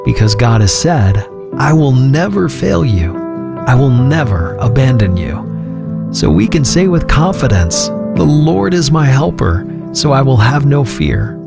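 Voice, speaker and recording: A man with a gravelly voice reading scripture in a lively, rising and falling delivery. Loud instrumental music plays underneath him. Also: mid-range voice, unhurried. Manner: expressive, emphatic. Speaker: radio announcer.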